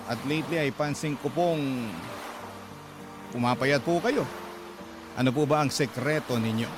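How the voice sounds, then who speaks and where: Male narrator as vain, dramatic older gay letter writer, playful and campy, higher pitch, music bed. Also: close to an everyday voice. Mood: playful, gushing. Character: vain, witty, dramatic older gay man telling his story. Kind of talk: first-person radio letter drama.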